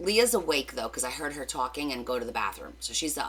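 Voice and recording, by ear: A woman talks with a New Jersey accent at a fairly quick pace. Her pitch swings very widely.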